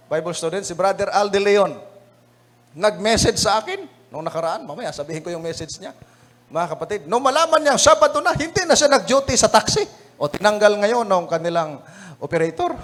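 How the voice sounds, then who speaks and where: A man's voice: high voice, fairly bright tone. A man with a Filipino accent, an evangelist telling funny anecdotes in a lesson-review sermon, chatty and often laughing as he addresses the brethren. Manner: chatty, laughing, often says "mga kapatid".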